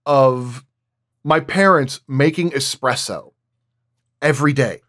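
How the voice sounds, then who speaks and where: Man explaining things in halting, casual talk. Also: medium pitch, fairly bright tone. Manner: explanatory, halting, thinks aloud with examples. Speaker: sound designer guest.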